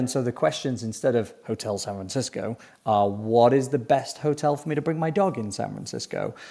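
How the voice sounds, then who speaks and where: A man with a British accent speaks at a medium pitch and a moderate pace, with ordinary pitch variation. His tone is dark and mellow, and the recording is very clean with a silent background. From Britain. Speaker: marketing company CEO. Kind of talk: explainer video.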